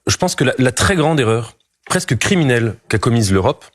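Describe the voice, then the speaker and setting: Un homme invité d'un débat télévisé qui défend son point de vue avec conviction, en hésitant parfois. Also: male voice, medium pitch, very animated, a little fast. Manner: argumentative, hesitant fillers. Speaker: panelist. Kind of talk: TV debate.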